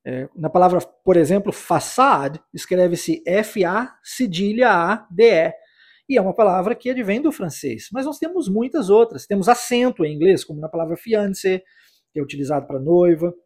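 Male podcast English teacher, high husky voice, patient explainer who drills phrases. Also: expressive, normal speed, a little mellow. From United States. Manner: explanatory, repeats phrases for the listener to practise. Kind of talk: podcast language lesson.

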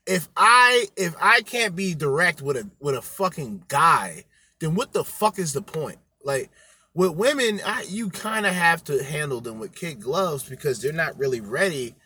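A man's voice: on the high side, very animated, unhurried, sharp tone, husky. A man co-hosting a podcast, ranting bluntly with heavy swearing. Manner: profane, blunt, emphatic. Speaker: podcast co-host. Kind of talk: crude ranting commentary.

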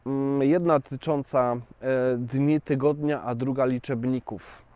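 Slow-talking man teaching casually. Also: medium pitch, fairly even intonation, a little mellow, muffled recording. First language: Polish. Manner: chatty, addresses viewers directly, slow and deliberate. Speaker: language teacher. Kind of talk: casual explanatory lesson.

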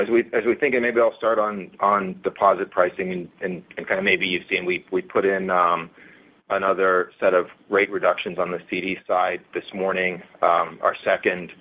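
A male company executive answering analyst questions on an earnings call, halting and often repeating words as he restarts. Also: deep voice. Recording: tinny phone-line conference call.

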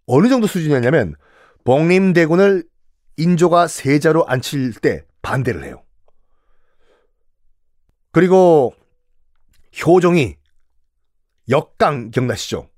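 A man's voice: on the high side, unhurried, pauses often, dry recording, studio quality. A man telling history in a casual, playful podcast lesson, acting out quotes as he goes. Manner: playful, animated, acts out quotes.

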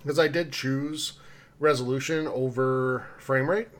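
A man with a medium-pitched, fairly even voice and a slightly slow delivery hosts a podcast. He talks casually and informally to his co-hosts and listeners, mixing in community announcements.

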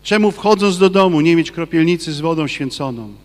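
Man, Catholic priest, sermon, rhetorical questions, slightly high voice, echoing hall. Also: a little fast. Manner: lively preaching with rhetorical questions to the crowd; acts out quoted people in his talk.

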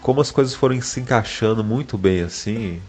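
A man with a low, gravelly voice recounts a prank from his past. He laughs often and throws himself into the voices of the people in it, with faint music playing underneath. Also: brisk. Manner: animated, laughing often, acting out dialogue. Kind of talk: casual anecdote telling.

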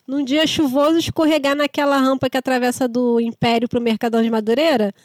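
A woman's voice: high-pitched, little pitch movement, fairly quick, dry recording, studio quality. A woman co-hosting a podcast, reading stories aloud and chatting. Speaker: podcast co-host. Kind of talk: casual chat.

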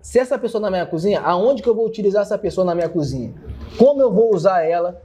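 A man with a fairly high, mellow, husky voice in a casual podcast chat. He grew up in Rio after being born in Bahia, and he hammers home his points by repeating himself. His tone stays loose and conversational. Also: animated, fast talker. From born in Bahia, raised in Rio de Janeiro. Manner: emphatic, explains with repeated phrases. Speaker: chef and podcast co-host.

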